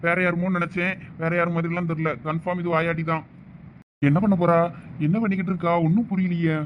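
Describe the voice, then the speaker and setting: A man's voice: fairly high pitch, level tone, fast, highs cut off, a little hiss or hum, close to an everyday voice. A man playing a senior student, keeping up a nosy running commentary on what he sees. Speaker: senior student in a comedy skit.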